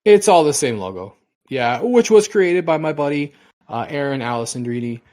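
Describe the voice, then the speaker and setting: A man's voice: on the high side, lively intonation, moderate pace, a little mellow. Rambling middle-aged man telling stories. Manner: rambling storyteller, repeats and restarts words. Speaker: podcast co-host. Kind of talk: casual podcast chat.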